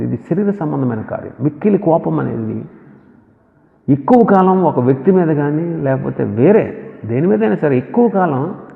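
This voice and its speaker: A man with a deeply gravelly voice preaches a sermon, pressing his questions on the listeners. His words ring with long reverb as though in a big hall. The sound is thin and narrow, much like a phone line. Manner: emphatic, asks the listeners questions.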